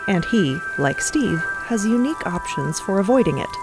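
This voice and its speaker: A woman's voice: mid-range voice, sing-song, moderate pace, over music. A woman giving wry, descriptive scripted narration for a fiction podcast.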